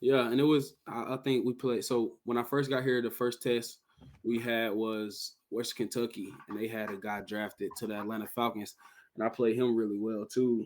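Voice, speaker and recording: The speaker is a man with a medium pitch. He talks in a monotone, flat way. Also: moderate pace. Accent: American. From US Midwest, Detroit, Michigan. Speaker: college football player, draft prospect. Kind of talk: podcast interview.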